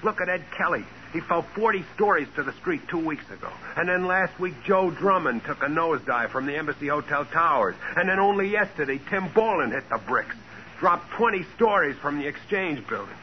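Through a dull, faintly noisy old radio recording comes a stubborn American window washer played by a man. He is a tough, blunt working guy with the jitters, mid-pitched, in 1940s drama style. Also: lively intonation, a little fast, lightly acted. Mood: blunt, resentful.

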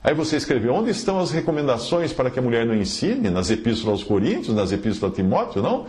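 Man with lively pitch reading scripture. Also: fast. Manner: emphatic, quotes scripture and chapter references. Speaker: Bible teacher answering a listener. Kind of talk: podcast commentary reading a listener's letter.

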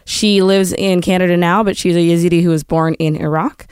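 Clear, lowish-voiced woman interviewer, dry sound. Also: steady tone, fairly quick, darkish tone, no room sound. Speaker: interviewer, show host. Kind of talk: conversational presenting and interviewing.

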